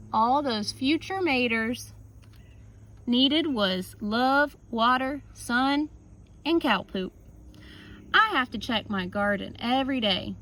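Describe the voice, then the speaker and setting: Higher-voiced woman reading a children's story. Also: bright, forceful tone, a little hiss or hum. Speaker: teacher reading a picture book aloud. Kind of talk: children's story read-aloud with casual asides.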